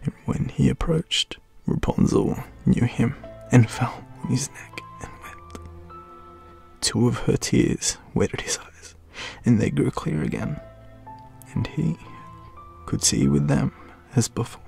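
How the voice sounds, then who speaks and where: An Australian man with a deep, gravelly voice, telling a story to listeners. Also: slow pace, long pauses, a little mellow, faint music behind. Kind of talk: dramatic storybook narration.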